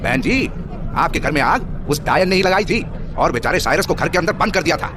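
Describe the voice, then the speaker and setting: A self-righteous village man, played by a male actor, scolds and accuses in a harsh, fairly high voice. His delivery swings widely, in audio drama style, with a noisy crowd around him. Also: animated, fairly quick, lightly acted. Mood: earnest, insistent. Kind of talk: Hindi horror audio drama acting. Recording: noisy crowd and street ambience behind.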